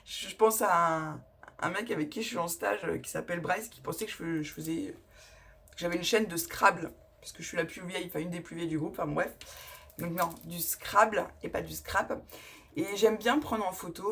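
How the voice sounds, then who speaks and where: This scrapbooking vlogger's voice is on the low side, creaky and slightly rough, and she talks fairly quickly. In a casual haul video she chats and rambles about her crafting purchases, showing them to the camera with enthusiasm, often laughing and correcting herself.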